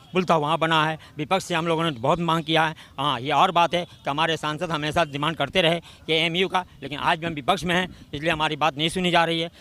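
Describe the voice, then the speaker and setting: A man's voice: a little high, pushed and bright. A man in a street interview, earnestly laying out political talking points as if giving a speech. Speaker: party supporter interviewed.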